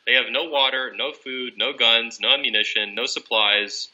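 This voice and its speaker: A young man hosting a casual interview at a desk mic in a room, blunt and profane, quick to agree. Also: medium pitch, steady tone, bright, forceful tone, rough recording. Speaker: host. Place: room with bookshelves, indoors. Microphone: desk mic on a stand.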